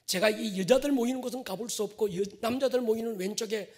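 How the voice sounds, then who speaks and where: A male pastor preaching a sermon to his congregation, swinging from loud stressed phrases to whispered endings and drawing out key words. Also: high-pitched. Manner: addresses the congregation directly, drawn-out stressed words.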